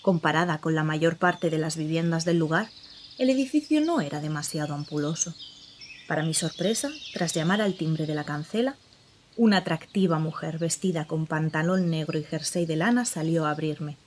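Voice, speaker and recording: Woman doing a reporter narrating, measured, reflective, lowish pitch, faint background noise. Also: lightly acted. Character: female reporter narrating her own investigation. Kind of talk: first-person drama narration.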